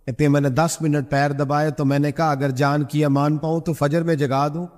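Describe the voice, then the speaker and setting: A man's voice: a little high, level tone, darkish tone. A man with a Pakistani Urdu accent preaching a storytelling sermon, acting out the people in his story and jumping up sharply for their stern lines. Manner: acts out quoted voices, voice rising sharply for stern lines. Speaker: religious preacher. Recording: long hall reverb.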